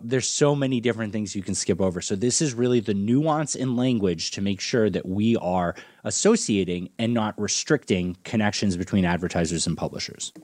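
Male podcast host, slightly deep voice, enthusiastic conversational delivery, very dry sound. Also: darkish tone, dry recording.

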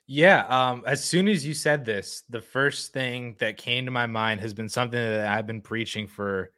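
A man's voice: mid-range voice, moderate pace, pushed and bright. A man guesting on a casual podcast, laid-back and laughing at himself.

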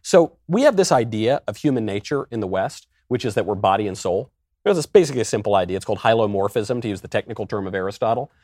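A man's voice: fairly low pitch, expressive, fast talker, a little mellow, no room sound, studio quality. Wry, lecturing man. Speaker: roundtable panelist, author. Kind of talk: casual political discussion.

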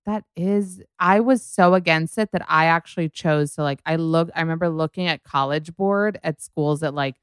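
A woman's voice: low voice, moderate pace, few pauses, clear, resonant tone, dry recording, clean studio sound. A woman hosting a podcast, chatting in a gushing, rambling way full of "like". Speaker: podcast host. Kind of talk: casual podcast chat.

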